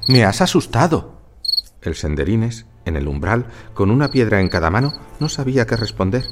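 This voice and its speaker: A man narrating a story in an expressive, dramatic reading style. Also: lowish voice, a little fast, very noisy.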